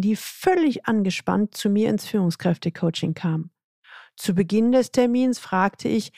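A woman executive coach hosting a podcast, telling a coaching case in measured, instructive scripted narration. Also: mid-range voice, gravelly, mellow, no echo, clean studio sound.

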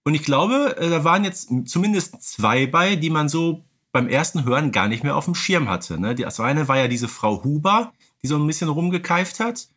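A man's voice: fairly high pitch, animated, moderate pace, few pauses, fairly bright tone. A man hosting a podcast, talking casually in a fan discussion. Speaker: podcast host.

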